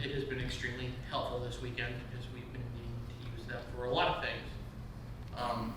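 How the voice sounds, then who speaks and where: Male chairman, medium pitch, hesitant procedural delivery, far from the mic in heavy echo. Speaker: chairman and president. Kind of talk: semi-formal meeting address. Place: large echoey meeting room. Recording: very echoey room, far mic, noisy.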